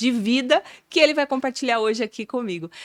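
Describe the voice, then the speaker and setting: On a very clean recording with a silent background and a dry, close sound with no echo, a woman with a plain, everyday voice and a fairly high pitch speaks at a fairly quick pace. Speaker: podcast host. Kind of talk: podcast interview hosting.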